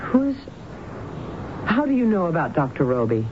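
A woman's voice: lowish voice, big pitch swings. An actress playing an anxious, troubled married woman, tender and hesitant, in an old-time radio drama. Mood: troubled, confiding. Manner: hesitant, halting. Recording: noisy, muffled vintage radio recording.

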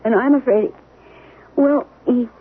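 An actress playing an anxious, fearful wife in a 1970s radio drama, speaking hesitantly and with worry. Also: female voice, a little high, slow, breathy edge. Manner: hesitant, worried. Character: anxious, fearful wife worried about her husband. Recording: narrow noisy old radio recording.

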